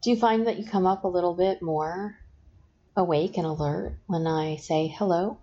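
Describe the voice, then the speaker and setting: A woman guiding a hypnosis session, speaking in slow, soft, repetitive suggestions. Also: on the low side. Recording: dull lo-fi sound with faint noise.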